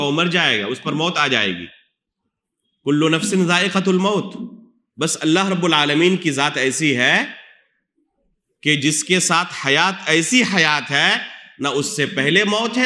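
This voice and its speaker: Male religious lecturer with an Indian Urdu accent, bright forceful tone, fairly high voice, teacherly question-and-answer delivery, mosque echo. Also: animated. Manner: teacherly, asks the audience questions and answers them. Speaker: Islamic scholar. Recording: echoey mosque hall.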